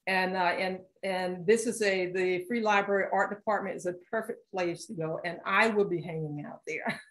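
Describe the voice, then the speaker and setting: Her voice sits fairly low with fairly even intonation and a moderate pace, heard in an echoey room. She's an art collector from Philadelphia chatting as a guest at an author talk, full of fillers and restarts and laughing often.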